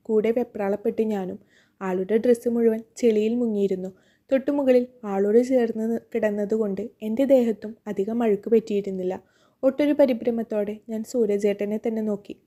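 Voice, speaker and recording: A woman narrating a romantic novel in a steady, unhurried storytelling manner. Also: fairly high pitch. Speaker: audiobook narrator.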